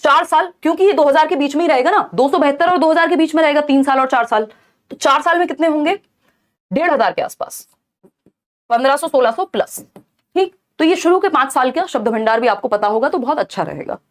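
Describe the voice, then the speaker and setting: High-voiced woman teaching an exam class. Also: fairly quick. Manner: explanatory, checks in often with "thik hai". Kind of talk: online lecture.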